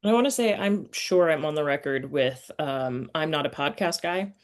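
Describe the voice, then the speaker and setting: A woman's voice: low-pitched, lively intonation, normal speed. A woman hosting a casual chat, talking informally in a rambling way and often interrupting herself. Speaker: podcast host, interviewer.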